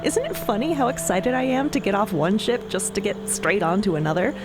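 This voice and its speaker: A woman voicing an excitable young princess envoy in an audio drama, gushing and babbling with breathless eagerness. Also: medium pitch, fairly quick, background noise, close to an everyday voice. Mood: elated, eager. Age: young adult. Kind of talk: audio drama character acting.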